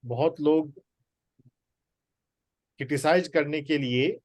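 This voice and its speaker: A man teaching the Gita in a spoken talk, slow and deliberate with emphatic pauses. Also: fairly high pitch, no echo, muffled recording.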